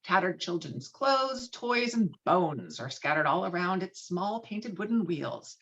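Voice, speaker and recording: A woman reading screenplay stage directions with dramatic, expressive delivery over a video call. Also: on the low side, measured pace, lo-fi sound. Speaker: stage directions reader at a table read.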